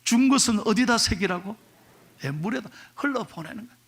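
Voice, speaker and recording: A middle-aged man preaching a sermon to his congregation, animated, dropping to a whisper for emphasis and acting out the voices he quotes. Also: high voice, brisk, husky. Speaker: pastor.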